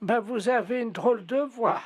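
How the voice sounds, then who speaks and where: A man's voice: extremely high pitch, normal speed, no echo. A man putting on a dotty, half-deaf old woman. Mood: muddled. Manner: feigns mishearing, pesters, mock-sweet. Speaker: prank caller. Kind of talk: prank phone call.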